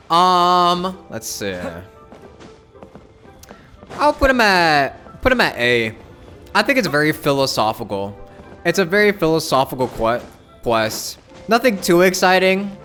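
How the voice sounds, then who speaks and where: A man's voice: a little high, sharp tone. Musing man streamer over game music. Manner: musing, halting, repeats phrases while thinking aloud. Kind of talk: casual livestream chat with viewers.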